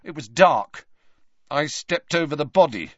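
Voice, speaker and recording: A man voicing a cornered teenage boy wizard who talks loudly, with a strained, rising voice. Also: animated, a little slow, dry recording, muffled recording. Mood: desperate. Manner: loud, strained, voice rising in pitch.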